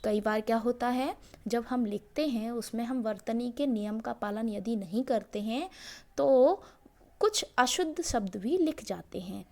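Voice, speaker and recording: A woman's voice: a little high, dark tone. A woman teacher giving a grammar lesson, asking each point back as a question and then answering it, stressing key words. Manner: slow and deliberate, stressing words. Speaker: school teacher.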